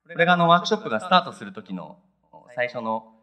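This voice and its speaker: A man speaks over light background noise. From Japan. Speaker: company founder; conference presenter. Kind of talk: conference presentation. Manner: casual, conversational. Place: hall. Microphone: podium.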